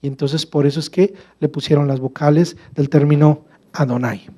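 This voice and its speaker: A man delivers a sermon in a church, his voice pitched fairly high yet mellow and warm. He poses rhetorical questions to the congregation and addresses them as brother. He shifts from emphatic, loud passages to quiet, low asides. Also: steady tone, moderate pace. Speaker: preacher.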